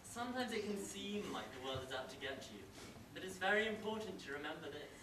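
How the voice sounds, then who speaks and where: A man's voice: sits high, expressive, fast. A British man playing a posh, self-important, tactless boss in an amateur stage pantomime. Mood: dryly tactless. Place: theatre stage, distant camera. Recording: distant echoey theatre, loud noise.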